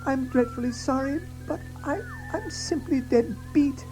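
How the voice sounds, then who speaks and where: A woman's voice: high-pitched, unhurried, dark tone, soft background music, low-quality recording. A woman playing a small, timid, weary male mole, plaintive and polite, in a children's audio drama. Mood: weary, pleading. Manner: plaintive, polite, old-fashioned British phrasing.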